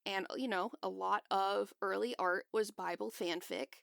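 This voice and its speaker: A woman's voice: mid-range voice, steady tone, unhurried, vocal fry, fairly bright tone, dry recording, clean studio sound. A woman co-hosting a podcast, explaining a topic in a chatty, casual way. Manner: explanatory, chatty, laughs often. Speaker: podcast co-host. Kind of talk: casual chat.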